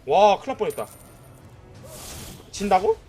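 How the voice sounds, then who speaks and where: High, excitable streamer man, husky. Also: normal speed, soft background music. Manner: excitable, shouting at enemies and cheering; trash-talking with frequent "nice" and "that's it". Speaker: game streamer. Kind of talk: live gameplay commentary.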